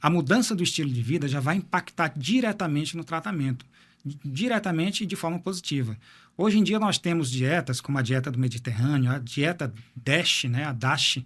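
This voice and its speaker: A man, speaking as a cardiologist in a podcast interview. His voice sits somewhat high for a man. He explains step by step and often repeats a word as he finds the next one. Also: fairly bright tone. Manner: explanatory, repeats words while thinking. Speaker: cardiologist guest. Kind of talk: medical interview.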